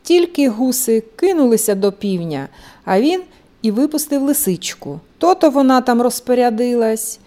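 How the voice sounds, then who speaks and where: Woman telling a lively bedtime fairy tale. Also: fairly high pitch, moderate pace. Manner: lively, singsong telling to small children. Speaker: storyteller.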